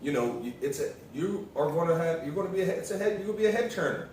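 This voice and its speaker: An American man, the vlogger's partner, joins as co-speaker in a casual chat, making his points in an informal, emphatic way. His fairly high, darkish voice is animated and quick. The room is very echoey, the mic distant, with faint noise.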